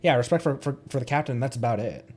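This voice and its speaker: A man chatting casually on a gaming livestream, giving halting, musing commentary as he plays. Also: medium pitch, lively intonation, darkish tone, husky. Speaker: streamer. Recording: music underneath. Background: background music.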